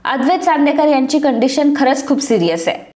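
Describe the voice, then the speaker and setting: A woman's voice: high-pitched, lively intonation, normal speed, a little mellow, reverberant. A woman doing a grave male doctor. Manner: grave, matter-of-fact.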